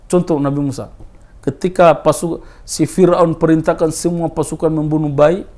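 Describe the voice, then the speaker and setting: A man in his thirties from East Timor, telling his personal story in a casual interview, his voice rising high when he stresses a point. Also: moderate pace. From Timor Leste. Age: 30s. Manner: animated storyteller, voice rising with emphasis.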